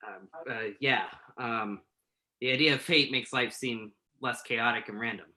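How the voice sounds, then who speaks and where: A bright, forward-sounding male voice at a middle pitch. A man acting as an earnest, slightly nervous magazine journalist in a naturalistic stage play reading. He speaks tentatively and thoughtfully, as in a conversational interview. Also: measured pace, rough recording. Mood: tentative, musing. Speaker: actor in a virtual staged reading.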